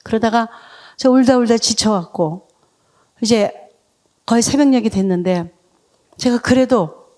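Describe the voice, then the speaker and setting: A woman's voice: a little high, measured pace, long pauses, dark tone. A middle-aged woman, a deaconess, tells her story as a testimony at a church revival, reaching out to the congregation. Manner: emotional storytelling, leads congregation in reading.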